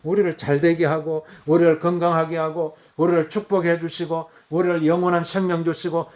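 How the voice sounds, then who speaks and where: A man's voice: fairly high pitch, little pitch movement, a little fast, darkish tone. A male pastor preaching a sermon in an emphatic, rambling way, full of fillers, and bursting into wailing prayers as he quotes them.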